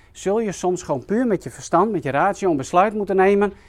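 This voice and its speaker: A man's high pitch on a very clean recording with a silent background. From South Africa and the Netherlands. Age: 40s. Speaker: podcaster and motivational speaker. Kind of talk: personal testimony talk at a live event.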